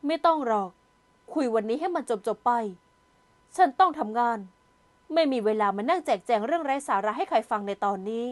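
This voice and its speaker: A stern, icy young man who gives curt commands and never softens, as a woman reader voices him. His lines come out clipped and cold, in a high-pitched voice. He is a figure from a spoken romance novel. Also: animated, brisk, no echo.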